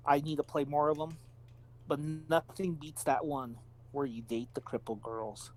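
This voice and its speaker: A man's voice: on the high side, level tone, measured pace. A man co-hosting a podcast in a casual, conversational style. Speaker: podcast co-host. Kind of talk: casual chat.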